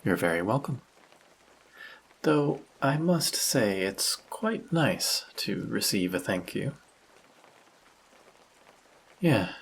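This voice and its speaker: Against rain sound effects, a man plays a friendly, courteous vampire in an intimate roleplay audio drama, a gentle and caring stranger. His husky, fairly low voice is exaggerated, and he speaks softly and politely, reassuring and gently teasing.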